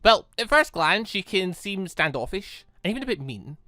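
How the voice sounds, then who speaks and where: Gaming video host: bright, punchy voice, chatty and animated, casual commentary and read-aloud game text, dry sound. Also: mid-range voice, normal speed, dry recording.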